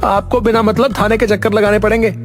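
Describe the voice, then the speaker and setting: A man's voice: high voice, level tone, quick pace. A man voicing a short, boastful, hot-headed young man in a cartoon, talking in a brash, threatening way over background music.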